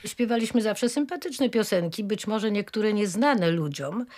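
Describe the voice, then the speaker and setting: An older woman reminiscing gently, pausing and rephrasing as she goes. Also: mid-range voice, animated. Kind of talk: reminiscing interview.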